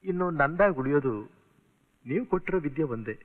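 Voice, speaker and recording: An actor playing an idealistic young landlord and lawyer who speaks in an earnest, calm way. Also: male voice, on the high side, fast talker, soft background music, natural voice. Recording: dull old film soundtrack.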